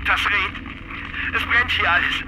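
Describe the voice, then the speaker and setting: An actor playing a panicked neighbour in an audio drama, halting and urgent, over a telephone. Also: male voice, sits high. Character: panicked male neighbour calling about a house fire. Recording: noisy phone call in radio play.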